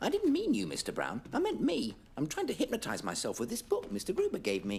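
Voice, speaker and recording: The speaker puts on a cartoonish character voice at a very fast pace over light background noise. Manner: polite, earnest.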